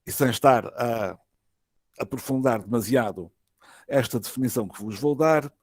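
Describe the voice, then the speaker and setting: A man with a European Portuguese accent reads an academic lecture in a formal, measured way, phrase by phrase, with some hesitations. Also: mid-range voice, a little mellow, dry recording. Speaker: university professor, conference lecturer. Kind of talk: academic lecture read from a prepared text. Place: online web conference.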